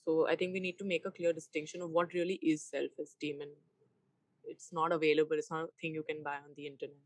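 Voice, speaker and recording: Lowish, dry-sounding Indian-accented woman chatting. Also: level tone, quick pace, no room sound. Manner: candid, informal. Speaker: podcast guest, content creator. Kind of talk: casual chat.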